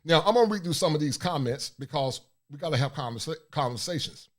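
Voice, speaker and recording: Middle-aged male livestream host, deep forceful voice, preachy monologue. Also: lively intonation, quick pace. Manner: forceful, preachy, reads chat aloud. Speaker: host of a livestream talk show.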